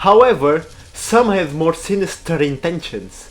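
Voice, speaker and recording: A man speaks with a Portuguese accent at a fairly high pitch. His pitch swings very widely at a fairly slow pace. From Portugal. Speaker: gaming youtuber. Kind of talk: gameplay commentary with reading aloud. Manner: halting, stumbling over words.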